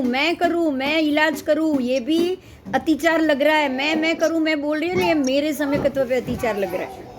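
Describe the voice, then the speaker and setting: Middle-aged woman, high pitch, scripture teacher who quizzes her class, faint background hiss. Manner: explains slowly, keeps quizzing listeners. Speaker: religious teacher. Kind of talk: scripture lesson.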